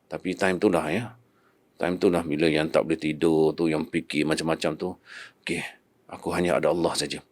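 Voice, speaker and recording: A man's voice: a bass voice, flat delivery, fairly quick, a little mellow, no room sound. A man with a Malaysian Malay accent, a podcast guest, earnestly recounting his faith testimony and repeating his own past prayers.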